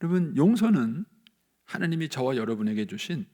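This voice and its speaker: A male pastor preaching a sermon in a church, telling stories and acting out the people he quotes, jumping up in pitch for emphasis. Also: brisk. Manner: animated storytelling, acting out quoted voices, rising sharply for emphasis. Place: church sanctuary.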